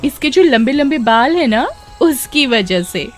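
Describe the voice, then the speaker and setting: एक औरत बच्चों की कहानी में ताने मारने वाली गांव की लड़कियों की आवाज़ कर रही है, जो मज़ाक उड़ाते हुए बोलती हैं।. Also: female voice, sits high, lively intonation, measured pace, soft background music, voice pushed up. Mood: taunting. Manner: taunting, sneering. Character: mocking teenage village girls. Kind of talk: children's storybook voice acting.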